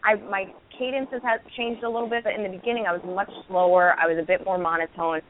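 A woman in her thirties, a stand-up comedian, telling stories candidly with quick restarts in a casual interview. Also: mid-range voice, level tone. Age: 30s. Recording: tinny phone-like line with faint noise.

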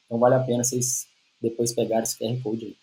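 A man's voice: medium pitch, flat delivery, fast talker, dark tone, rough recording. A man with a Brazilian Portuguese accent hosting a live stream, chatting informally with a guest in a buddy-like way. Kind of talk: casual chat with a guest.

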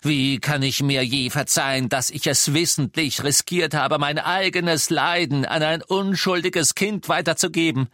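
A man's voice: on the high side, fairly even intonation, measured pace, few pauses, bright, forceful tone, dry recording, studio quality, voice pushed up. A man reading the part of a middle-aged werewolf teacher, anguished and full of self-reproach. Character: middle-aged male werewolf teacher, tormented and guilt-ridden. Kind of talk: audiobook character voice.

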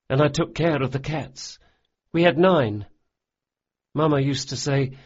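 A man voicing a large, quiet boy who speaks gently and haltingly. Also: medium pitch, slightly rough, highs cut off, voice pushed up. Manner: soft, halting and hesitant.

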